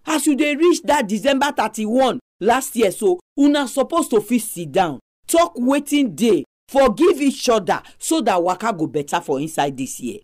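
A woman's voice: a little high, big pitch swings, normal speed, few pauses, darkish tone. A woman with a Nigerian accent hosting a Christian family talk program in Nigerian Pidgin, addressing listeners directly. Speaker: radio program host. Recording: music behind the voice. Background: music.

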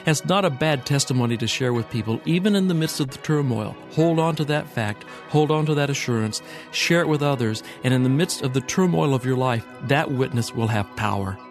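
A man's voice: medium pitch, a little fast, faint music behind. A man co-hosting a Bible study discussion, earnest and emphatic, reading scripture and urging listeners to hold on to their faith. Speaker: co-host.

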